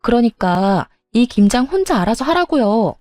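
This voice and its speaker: Woman storyteller, defiant and sharp, mellow dark tone, dry close sound. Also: a little high, very animated, moderate pace, no echo, soft background music. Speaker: storyteller narrating as daughter-in-law. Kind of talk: dramatized first-person story narration.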